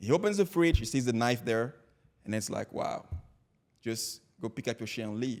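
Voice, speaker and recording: An animated man with a French accent, medium pitch, lively intonation, a moderate pace and long, frequent pauses. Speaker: entrepreneur. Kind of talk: podcast interview.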